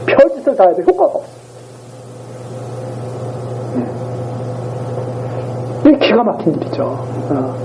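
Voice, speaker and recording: A man's voice: sits high, huge pitch swings, slow, long pauses, heavy background noise. A man pastor giving a sermon, reading scripture verses aloud and then retelling them in blunt, everyday speech. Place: church. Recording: dull lo-fi church recording.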